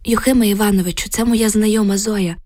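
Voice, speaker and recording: A woman's voice: mid-range voice, fairly even intonation, quick pace, warm tone, close to an everyday voice. A woman voicing a young village woman who is surprised and anxious.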